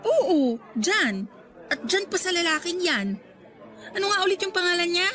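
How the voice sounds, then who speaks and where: A protective, incredulous female best friend with a Filipino accent in a radio drama. She scolds and probes in a high, very lively voice, with light music underneath. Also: moderate pace, a faint crowd, exaggerated voice. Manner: scolding, incredulous, probing questions. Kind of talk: Tagalog radio drama acting.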